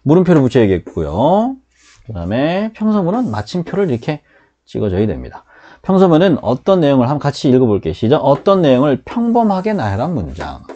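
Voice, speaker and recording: A man's voice: mid-range voice, wildly swooping pitch, a little fast, warm tone, highs cut off. A man teaching a beginner English grammar lesson, leading students through call-and-repeat drills.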